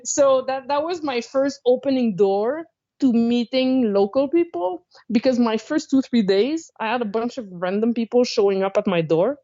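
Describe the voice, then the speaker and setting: A young woman from Canada, chatting as a guest in a remote interview. She is animated, laughs often and acts out what people said. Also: fairly high pitch, normal speed, muffled recording. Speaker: guest, traveling jiu-jitsu instructor.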